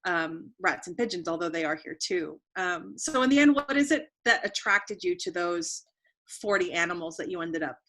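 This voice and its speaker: A woman with a bright, crisp voice, hosting an interview. She asks her questions in a friendly, slightly hesitant way, filling the pauses with "um" and "like". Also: on the low side, expressive. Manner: friendly, hesitant, many fillers. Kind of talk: conversational interview.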